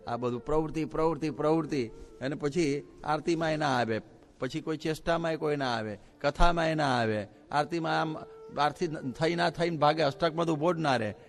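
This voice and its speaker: Man giving a storytelling sermon in a hall. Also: medium pitch. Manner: animated storyteller who acts out the lines of people in his stories. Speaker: Hindu monk giving a religious discourse. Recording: long hall reverb with faint music.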